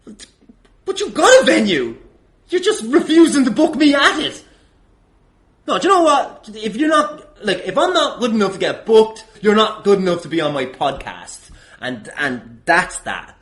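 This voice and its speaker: Podcast host: male, high and very animated, indignant, foul-mouthed, for an improvised comic row. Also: moderate pace. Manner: indignant, sweary. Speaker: wrestling podcast host and wrestler. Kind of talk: improvised comedic argument on a podcast.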